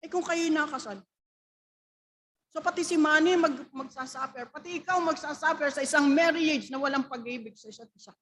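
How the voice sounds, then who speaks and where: A woman's voice: high voice, moderate pace, a bit bright. A middle-aged woman preaching a Mother's Day sermon in church, telling a family story and acting out the quoted dialogue, then asking the congregation questions.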